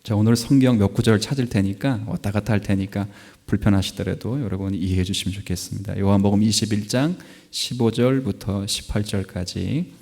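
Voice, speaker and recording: A male pastor in his forties preaching at a Sunday church service, telling a family story with lively jumps in pitch and loudness and asking the congregation questions. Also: fairly quick, vocal fry, hardly any pauses. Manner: animated storytelling, acts out quotes with sharp jumps in pitch and volume; asks the congregation questions and laughs along. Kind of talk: sermon.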